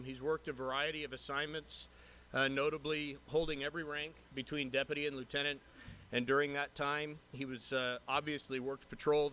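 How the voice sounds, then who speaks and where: A man speaking as a police captain, giving earnest, measured formal remarks at a public meeting. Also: on the high side, bright, forceful tone. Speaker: police captain introducing a new lieutenant. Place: city council chamber. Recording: noticeable background noise, room ambience.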